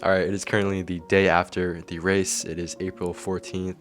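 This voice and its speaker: Young man, low voice, slight retainer lisp. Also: flat delivery, a little fast, music in the background. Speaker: vlogger. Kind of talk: casual recap to camera. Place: small dorm room, indoors.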